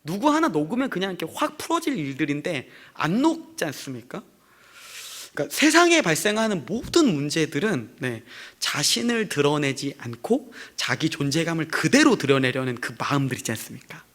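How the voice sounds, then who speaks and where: A man's voice: fairly high pitch, very animated, moderate pace, fairly bright tone. A man preaching a sermon as a pastor to his congregation in church, in a conversational way with rhetorical questions. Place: church sanctuary.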